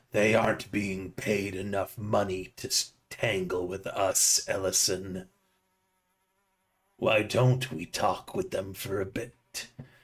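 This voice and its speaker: This is a put-on character voice, low-pitched, gravelly and menacing in tone. It moves at a fairly slow pace. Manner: chuckling, menacing.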